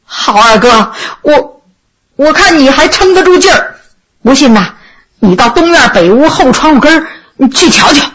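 A woman voicing a quick-witted young male inn servant in a told story, excitable, pleading and emphatic. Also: high voice, poor audio. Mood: agitated.

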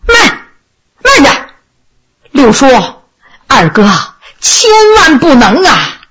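A woman voicing a quick-witted young male inn servant in a told story, excitable, pleading and emphatic. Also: high-pitched, noisy background, heavily acted. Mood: urgent warning.

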